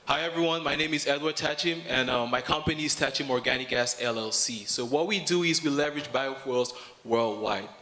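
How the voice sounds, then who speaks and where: A man with a Cameroonian accent presents his business idea as a student entrepreneur. His voice sits at a middle pitch, and he builds points with emphatic repetition in a prepared pitch. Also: fairly quick, few pauses, sharp tone.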